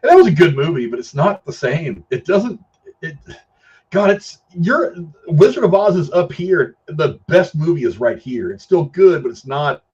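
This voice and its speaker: A middle-aged man casually giving his opinions in a film discussion, haltingly repeating and rephrasing himself for emphasis. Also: a little high, big pitch swings, a little mellow, husky. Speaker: film review show host. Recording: dull, lo-fi sound.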